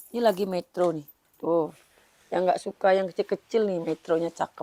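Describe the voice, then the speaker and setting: A woman speaks in a fairly low pitch with a dark, mellow tone and fairly even intonation, though her loudness swings widely. The sound is dry and close, with no echo. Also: moderate pace. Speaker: online seller of used branded bags. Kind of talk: product unboxing sales video. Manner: casual, chatty.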